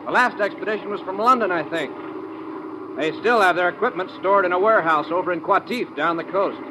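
A man's voice: sits high, brisk, lightly acted. An actor playing an easygoing, matter-of-fact patrol pilot in a 1950s radio drama, talking up over his engine. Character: easygoing, bored oil pipeline patrol pilot. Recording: vintage radio, clear aircraft engine noise.

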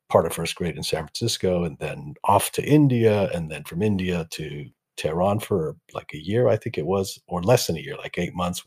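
A middle-aged man, a guest on an interview show, telling his life story in a loose, relaxed way with frequent restarts. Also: low-pitched, husky. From Iran. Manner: loose, digressive, with frequent restarts and light laughs.

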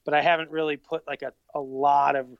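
A man's voice: a little high, little pitch movement, fairly quick, gravelly, no room sound, highs cut off. A man in his late thirties, chatting casually as a podcast co-host, easygoing and rambling with lots of fillers. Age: 30s. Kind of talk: casual chat.

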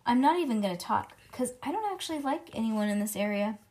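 A woman voicing an excitable, pushy little schoolgirl who talks in insistent, rambling bursts. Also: a little high, fast, close to an everyday voice.

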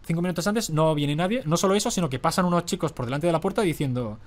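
A man's voice: on the high side, fast. A young man with a Catalan accent and a stuffy nasal cold, telling a story as a podcast guest, rambling with lots of fillers. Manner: rambling, many fillers like "en plan" and "¿sabes?". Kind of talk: casual storytelling in a podcast interview.

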